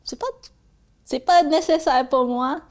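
A high-pitched Filipino woman in her forties, a native Bisaya speaker with a Filipino accent, is a guest in a casual interview. She answers haltingly, searching for her words.

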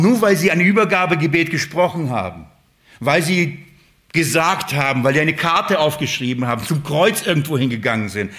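A man preaching a sermon, emphatic, swinging between loud and hushed, and asking the congregation rhetorical questions. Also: on the high side.

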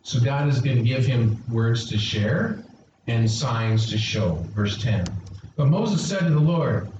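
A man's voice: mid-range voice, expressive, measured pace, a little mellow, a little hiss or hum. A male pastor preaching a sermon in a church, engaging and questioning his congregation and calling for responses. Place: church sanctuary. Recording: very echoey hall, distant dull mic.

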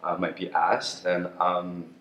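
A man's voice: low-pitched, monotone, slow, fairly bright tone, roomy sound. A man in his early twenties, a student, speaking thoughtfully on a panel with some hesitation. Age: 20s. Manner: thoughtful, with fillers and restarts. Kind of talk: casual panel discussion.

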